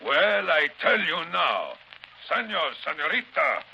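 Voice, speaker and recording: An actor playing a ruthless pirate captain with a Hispanic accent, gravelly and mockingly polite in broken English, in 1930s radio style. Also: male voice, fairly high pitch, very animated, slow, heavily acted. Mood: sly, menacing. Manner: broken English, sly chuckling menace. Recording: dull, hissy old 1930s radio recording.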